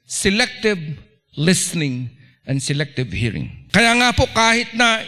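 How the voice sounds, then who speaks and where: A middle-aged Filipino pastor delivers a lively sermon in a church, acting out small everyday scenes. He speaks at a measured pace in a high voice.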